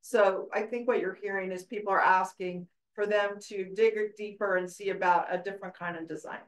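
A woman leading a neighborhood board meeting, speaking in a measured way with frequent hedges. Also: medium pitch, fairly even intonation. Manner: measured, hedging with "I think". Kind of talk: public meeting discussion. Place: meeting room. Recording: roomy hall mic from far off.

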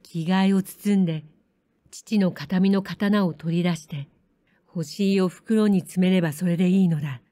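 Calm woman reading a period story. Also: on the low side, normal speed, no room sound. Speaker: audiobook narrator. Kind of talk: scripted narration of a period story.

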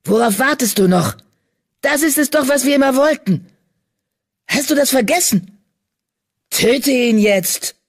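A narrator puts on a villainous young tomcat from a storybook adventure. He hisses and mocks, his voice a little husky, scheming and cold even when he gets loud. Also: mid-range voice, slow pace, full character voice. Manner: sneering, hissing. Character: scheming young male warrior cat, mocking villain.

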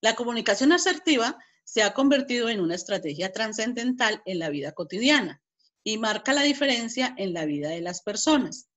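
Teaching an online class, a woman with a Colombian Spanish accent explains things step by step, often restarting and repeating words. Her voice is a little high and fairly bright, with lively intonation and a brisk pace. She reads example dialogues aloud with emphasis.

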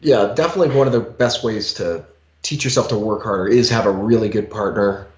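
A man's voice: on the low side, fairly quick. Emphatic man on a headset call. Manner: emphatic, many "you know" fillers. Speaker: podcast co-host. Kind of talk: casual podcast chat. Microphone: headset on a video call. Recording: echoey, slightly dull call audio.

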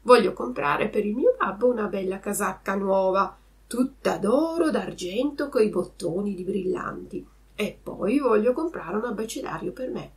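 A woman's voice: mid-range voice, expressive, normal speed, close to an everyday voice. A woman voicing a naive, boastful wooden puppet boy in a storybook reading, with a raised, eager voice.

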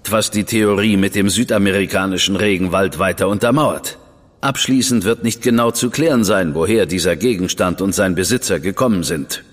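Super deep voice, dry victorian spymaster type, calm and measured, bit of a long echo on it. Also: male voice. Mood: briefing. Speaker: senior crown official briefing an agent. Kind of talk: studio radio drama acting.

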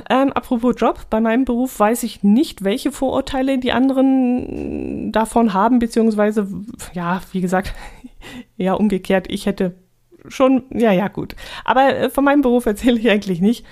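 A woman talks alone into her podcast mic in an easy, casual way. She digresses freely and laughs at her own jokes. Her voice sits at a middle pitch. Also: darkish tone. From Allgäu, Germany. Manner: chatty, digressive, laughs often. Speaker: podcast host. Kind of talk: casual solo podcast monologue.

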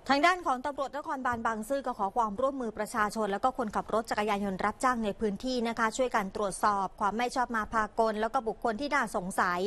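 A woman news reporter narrating a crime story in a brisk, polite news delivery. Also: on the high side, fairly bright tone.

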